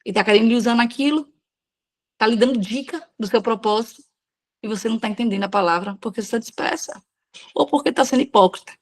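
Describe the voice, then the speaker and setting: Woman, high voice, casual frank devotional talk w/ slang. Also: fast, a little mellow. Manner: frank, conversational preaching with slang. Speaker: devotional speaker.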